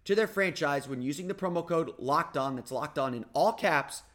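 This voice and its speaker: A man hosting a casual sports podcast, talking energetically with a slightly raspy voice and frequent restarts. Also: on the high side, moderate pace. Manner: energetic, rambling with restarts and fillers. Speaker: podcast host.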